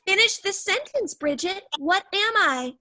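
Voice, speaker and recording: A woman's voice: very high-pitched, lively intonation, measured pace, pushed and bright, no room sound, full character voice. A woman playing a smug, territorial mean girl who leads a club, haughty and taunting in a comedy sketch. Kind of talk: comedy sketch staged reading.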